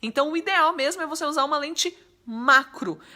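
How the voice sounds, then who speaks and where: Raised and projected, a woman's high-pitched voice carries a bright, sharp tone and ordinary pitch variation. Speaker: newborn photography instructor. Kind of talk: live stream Q&A. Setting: live stream broadcast. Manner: casual, conversational.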